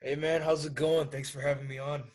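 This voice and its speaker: A man in his twenties from Thailand, a podcast guest talking in a relaxed, thoughtful way. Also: fairly high pitch, fairly quick. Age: 20s. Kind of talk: casual interview chat.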